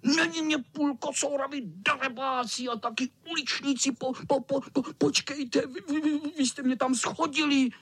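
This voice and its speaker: A man's voice: very high-pitched, steady tone, hardly any pauses, fairly bright tone, no echo, pitched above the performer's own voice. A man voicing a mean, mocking old tomcat in a children's story, with a squealing, stuttering voice. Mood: shivering.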